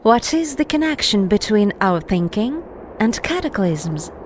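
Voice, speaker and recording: A woman reading a scripted spiritual voice-over in a measured, deliberate way, phrase by phrase with pauses. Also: mid-range voice, sing-song, slight background noise. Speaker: narrator reading an article. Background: music.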